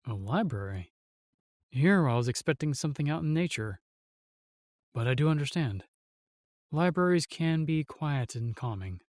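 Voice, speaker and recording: A man's voice: on the high side, lively intonation, normal speed, long pauses, darkish tone, no echo, clean studio sound, lightly acted. An actor playing a protective male knight in a fantasy audio roleplay, formal, courteous and earnest. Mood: gentle, courteous.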